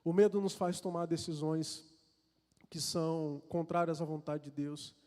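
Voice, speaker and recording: A man's voice: a little high, steady tone, unhurried, dark tone. A man with a Brazilian accent preaching a sermon, telling a personal story in an earnest, confessional way, often repeating and restarting words. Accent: Brazilian Portuguese. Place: large church hall. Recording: long reverb of a church hall.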